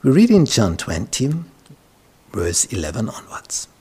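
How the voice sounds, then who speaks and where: A man's voice: lowish voice, wildly swooping pitch, darkish tone, breathy edge. A male pastor preaching a sermon, telling the Bible story dramatically and sometimes dropping to a whisper. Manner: slow, dramatic, drops to whispers when retelling scripture.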